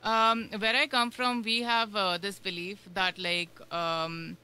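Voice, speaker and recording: A woman's voice: medium pitch, level tone, slow pace, bright, forceful tone, smooth. A woman from India, a guest on a radio show, talking casually and rambling with many fillers. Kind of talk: casual interview chat. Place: radio studio.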